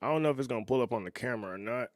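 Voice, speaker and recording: A man in his thirties hosting a reaction video, talking in a relaxed, conversational way and often chuckling. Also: medium pitch, rapid-fire, no echo, clean studio sound. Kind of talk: casual reaction commentary.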